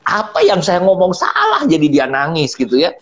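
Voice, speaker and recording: Captured on a phone mic that clips the highs, a middle-aged business speaker on a live stream talks casually about motivation. He's an animated storyteller who acts out quotes and laughs a lot, speaking at a normal speed in a fairly high voice.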